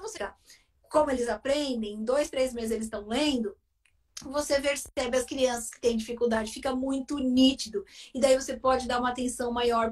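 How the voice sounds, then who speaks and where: A woman's voice: a little high, distant mic. A Brazilian woman, a literacy specialist, explaining phonics on a live video chat, often tagging her sentences with "né?". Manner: explanatory, with frequent "né?" tags.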